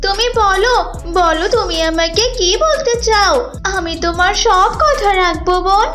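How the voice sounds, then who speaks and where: A woman's voice: very high-pitched, unhurried, pushed and bright, soft background music, full character voice. A woman voicing a kind, motherly animal rescuer in a cartoon, earnest and reassuring. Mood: reassuring, concerned. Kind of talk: cartoon voice acting.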